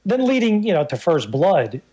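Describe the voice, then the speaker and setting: A man's voice: high-pitched, big pitch swings, normal speed, warm tone, husky. A man, talking casually as a podcast guest host about his memories. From the Bronx, New York. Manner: earnest, reminiscing, repeats words as he starts sentences.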